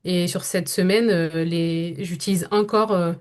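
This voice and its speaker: Unhurried and a little mellow, this low, steady-toned voice belongs to a young French voice-over actress. As a podcast guest she talks through her career thoughtfully, hesitating a lot and restarting her thoughts.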